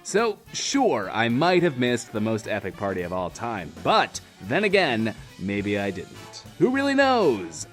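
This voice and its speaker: An actor playing a self-important, wordy, lonely radio host in a post-apocalyptic bunker, in an audio drama. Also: male voice, mid-range voice, huge pitch swings, measured pace, hardly any pauses, soft background music. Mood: showy, defensive. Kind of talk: in-world radio show monologue, audio drama.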